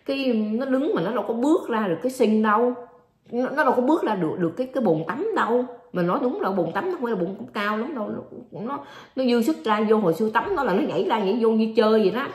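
A woman's voice: a little high, lively intonation, quick pace. A middle-aged woman vlogger telling an emotional personal story to her viewers, repeating herself often. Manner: repetitive, addresses viewers as aunts and uncles. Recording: roomy echo.

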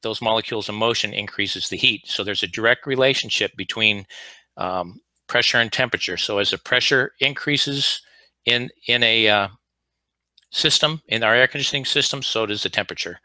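A man's voice: fairly low pitch, normal speed, pushed and bright, no room sound, low-quality recording. A man teaching a live online class over slides, explaining at an easy pace with frequent fillers and restarts. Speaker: HVAC instructor.

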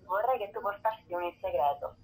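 A woman's voice: medium pitch, lively intonation, fairly quick, poor audio. A woman heard through a phone on speakerphone, chatting casually and encouragingly with a friend. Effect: heard over a phone on speakerphone. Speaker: phone caller.

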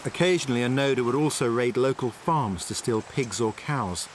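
A man narrates a survival documentary in an even, mid-pitched voice. He works outdoors on a tropical island and explains traps and wild food one step at a time. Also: normal speed, a little hiss or hum. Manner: calm, explanatory, tells and shows step by step. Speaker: survival expert and presenter. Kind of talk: documentary narration and on-location demonstration.

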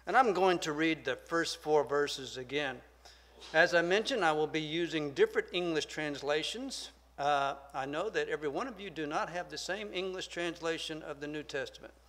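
Older Southern man, soft-spoken Bible teacher at a lectern mic, slightly high voice, church room reverb. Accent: Southern American. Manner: soft-spoken, measured and deliberate, reads scripture aloud. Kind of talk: Bible study lecture. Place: church classroom, at a wooden lectern. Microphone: lectern microphone.

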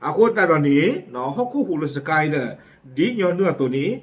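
A man's voice: on the high side, animated, brisk. Chatty man reading community news. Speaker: news presenter. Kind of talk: casual spoken news commentary.

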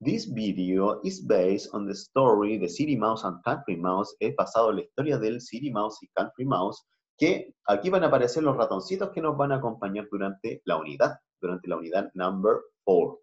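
A man with a Chilean accent teaching an English class online, switching between slow English and Spanish explanations. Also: on the low side, expressive. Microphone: video call. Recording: muffled video-call audio.

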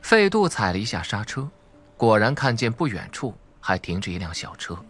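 Casting: male audiobook narrator, lowish husky voice, dramatic scripted delivery for suspense fiction. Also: big pitch swings, normal speed, a bit bright, soft background music.

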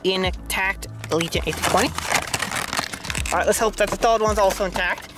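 A man's voice: high voice, moderate pace, over loud music. Chatty young man vlogging at an airport. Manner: chatty, self-mocking, easily excited. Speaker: aviation YouTuber. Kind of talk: casual unboxing vlog. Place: outdoors at an airport. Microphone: phone on a tripod.

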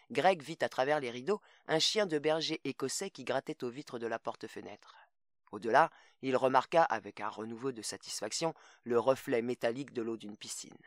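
A man narrating a short story as an audiobook in a measured, steady reading. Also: medium pitch, no room sound, studio quality.

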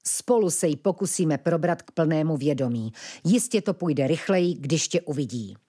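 Woman doing Edmund, a calm old ferret. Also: low-pitched, breathy edge. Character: wise old male ferret in hiding.

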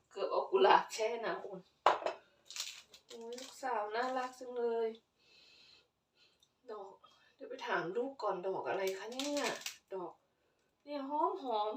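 A woman's voice: on the low side, reverberant, distant mic, background noise. A woman vlogging casually with many fillers, filmed on a phone without an external mic. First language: Thai. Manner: chatty, warm-hearted, frequent fillers. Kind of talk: casual chatty vlog. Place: home in Germany and shopping trip. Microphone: phone camera, no external mic.

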